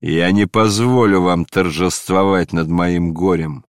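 A man reading aloud and voicing an old father who is furious with grief and shouts curses. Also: deep voice, fairly even intonation, unhurried, dry recording, clean studio sound. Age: older. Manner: shouting, cursing.

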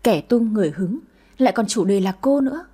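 A woman's voice: mid-range voice, animated, fairly quick, dark tone, breathy edge. A woman reading a romance story aloud, narrating and voicing every character herself. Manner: reads every character herself, shifting tone for dialogue. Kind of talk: storytelling narration with voiced dialogue.

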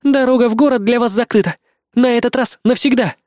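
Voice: mid-range voice, a little fast, darkish tone, no echo, clean studio sound, pitched above the performer's own voice, lightly acted. A narrator voicing a cold, stern young woman who speaks in clipped, commanding bursts. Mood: hostile.

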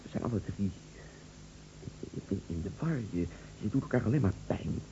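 A man's voice: fairly low pitch, lively intonation, moderate pace, mellow. An actor playing a flustered, defensive lover in a radio drama, stammering and repeating his words hesitantly. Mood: uneasy, placating. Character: flustered, defensive lover caught in a love triangle. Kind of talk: Dutch radio drama acting. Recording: dull lo-fi radio recording, faint hum.

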